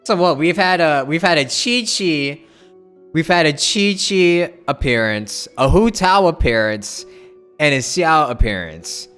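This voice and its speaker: A man's voice: on the high side, animated, measured pace, fairly bright tone, clear, resonant tone, faint music behind. A young man streaming a game with casual, informal commentary and wry asides.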